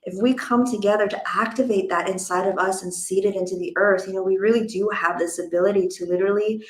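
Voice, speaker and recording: A woman's voice: mid-range voice, steady tone, fast talker, echoey room, low-quality recording. A woman hosting a casual online interview, speaking effusively and peppering her talk with "like". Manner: effusive, uses casual filler words like "like". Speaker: host and event organizer.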